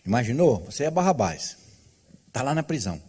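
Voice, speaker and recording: A man's voice: mid-range voice, sing-song, fairly quick, dark tone, slightly rough. A male pastor preaching a sermon, telling a story with rhetorical questions to the congregation.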